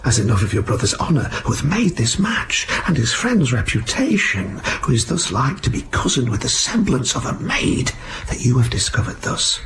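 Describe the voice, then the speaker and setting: A sly, persuasive henchman, played by a man, laying out a plot in a mid-pitched voice. He leans in conspiratorially and drops into whispers, all in a Shakespearean stage play. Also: very animated, normal speed, hardly any pauses, fairly bright tone, a little hiss or hum, rough recording. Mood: scheming. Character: sly scheming male henchman, cunning and persuasive.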